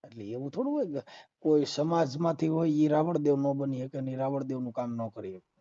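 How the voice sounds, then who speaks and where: Over a muffled lo-fi phone line, a man with a Gujarati accent argues heatedly, insistent and combative, hammering his points with repeated rhetorical questions. His voice is medium-pitched and dark, animated and a little fast.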